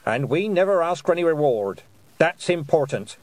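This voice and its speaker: A man's voice: on the high side, expressive, normal speed, darkish tone, no echo, pitched above the performer's own voice, natural voice. A man voicing a stern, proud old woman witch who speaks in clipped, commanding statements.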